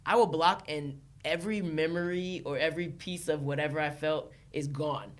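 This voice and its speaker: A woman from Los Angeles, a podcast guest chatting casually, animated, laughing often and restarting her sentences. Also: low-pitched, normal speed, a crowd in the background. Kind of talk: casual chat.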